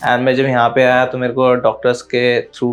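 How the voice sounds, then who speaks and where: This is a man speaking. His pitch is medium. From Uttar Pradesh, India. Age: 20s. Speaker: hair transplant patient. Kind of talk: testimonial.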